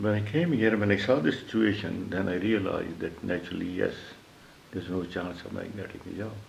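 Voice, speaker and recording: A man talks at a fairly quick pace in a somewhat breathy voice with a fairly low pitch. His pitch varies in an ordinary way, and room echo is audible. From Punjab, Pakistan. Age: 80s+. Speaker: retired councillor and community figure. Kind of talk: oral history interview. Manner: halting, with many fillers.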